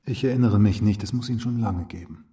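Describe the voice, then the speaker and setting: An actor playing a calm, withdrawn, soberly strict male housemate in a literary radio play, speaking tersely and unruffled. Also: lowish voice, fairly quick, far from the mic, natural voice. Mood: sober, questioning.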